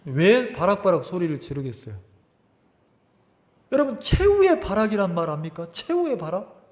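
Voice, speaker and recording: Animated pastor preaching. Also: male voice, sits high. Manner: animated, asks the congregation questions, acts out quotes. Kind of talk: sermon. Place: church sanctuary. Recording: reverberant church hall.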